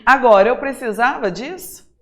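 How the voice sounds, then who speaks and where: A Brazilian woman teaching an exam-prep Portuguese lesson, talking straight to her students with many rhetorical questions and slowly stressing key words. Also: on the high side, animated. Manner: stresses single words by saying them slowly and loudly. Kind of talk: recorded classroom lesson.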